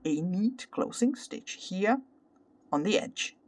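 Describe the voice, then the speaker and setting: Italian lady doing a how-to craft video, explains stuff carefully step by step, pauses a bit, medium pitched voice. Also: lively intonation, a little mellow. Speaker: crochet tutorial host. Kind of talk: instructional craft tutorial, unscripted.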